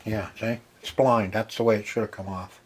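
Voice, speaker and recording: A man's voice: fairly low pitch, fairly even intonation, moderate pace, background noise. A man casually narrating a hands-on repair as he goes, muttering to himself in short, folksy remarks. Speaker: host of a retro repair video channel.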